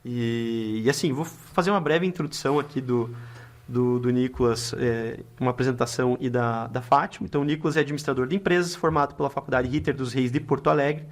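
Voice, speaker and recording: Talking fast in a mid-range voice, this middle-aged Brazilian-accented man is a lawyer hosting a relaxed podcast interview. His speech is chatty and full of filler tags and restarts.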